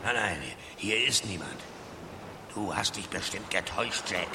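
A man's voice: on the low side, measured pace, vocal fry, background noise. An actor playing a shifty male villain in an audio drama, with over-articulated endings and oddly mannered emphasis. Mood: wary. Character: shifty male villain, a diver, calming his accomplice. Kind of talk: German audio drama acting.

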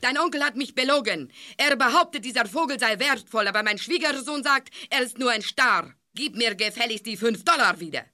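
An actress playing an indignant, sharp-tempered woman with a grievance in a radio play. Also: fairly high pitch, animated, brisk, hardly any pauses. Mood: angry, demanding. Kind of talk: 1970s-80s German radio play acting.

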